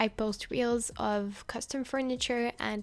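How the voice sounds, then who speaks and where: A woman speaks with a Quebec accent at a fairly high pitch. Her intonation is fairly even, in a very clean recording with a silent background. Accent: French Canadian accent in English. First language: French. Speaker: Sims YouTuber. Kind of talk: casual voiceover monologue for a speed build video.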